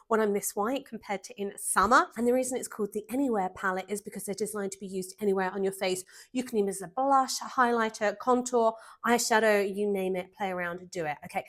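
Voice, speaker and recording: A woman with a nasal, stuffy voice from a cold, chatting enthusiastically through a casual makeup review. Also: medium pitch. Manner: chatty, enthusiastic, gushing about products. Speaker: beauty vlogger. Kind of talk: casual product review walkthrough.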